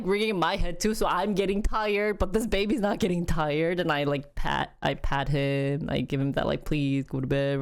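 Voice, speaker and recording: A woman in her thirties chatting casually to viewers, rambling and animated, acting out her baby's noises. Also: lowish voice. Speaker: vlogger talking about her baby.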